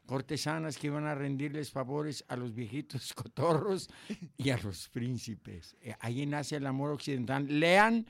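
A man's voice: medium pitch, unhurried, vocal fry. An older man with a Mexican Spanish accent, a guest musician telling boastful jokes and stories in casual chat. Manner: joking, boastful storyteller.

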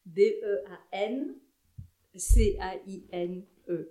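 A woman's voice: mid-range voice, slow pace, dark tone. A woman in her forties, a podcast guest, telling casual anecdotes in a chatty, hesitant way with many restarts.

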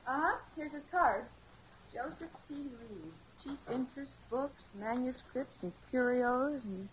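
An actress playing a detective's curious, plucky American assistant in a 1940s radio drama, with an inquisitive, quick-reacting delivery. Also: female voice, sits high, a little hiss or hum. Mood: helpful. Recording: dull, muffled vintage radio recording.

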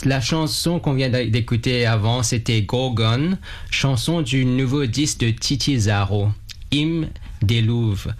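A man radio host announcing the station and introducing a song in a steady reading manner. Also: mid-range voice.

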